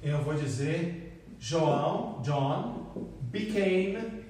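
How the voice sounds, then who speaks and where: A man teaching an English lesson in a classroom, explaining slowly and repeating drill phrases. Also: on the high side, lively intonation, darkish tone. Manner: switches between explaining and acted example exclamations, slow repeated drills. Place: classroom with whiteboard. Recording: echoey room, voice from a distance.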